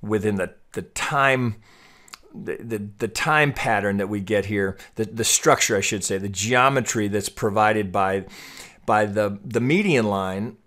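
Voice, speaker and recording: A man giving an off-the-cuff trading chart tutorial, thinking aloud in a halting way and often repeating his words. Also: on the low side, fairly bright tone. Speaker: trading analyst and host.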